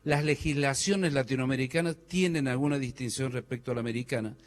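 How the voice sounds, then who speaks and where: A man's voice: mid-range voice, fast. A middle-aged man from Córdoba, Argentina, with a Cordoban accent, giving a joking conference talk and quizzing the audience with questions. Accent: Argentine Spanish, Córdoba. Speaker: speaker at a business conference. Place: large hall. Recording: hall reverb.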